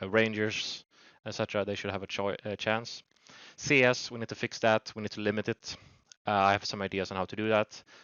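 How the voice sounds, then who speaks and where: Monotone, flat delivery at a fairly quick pace, with a non-native accent. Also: man, fairly low pitch for a man. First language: not English. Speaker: gaming youtuber. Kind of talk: solo commentary podcast. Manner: fast.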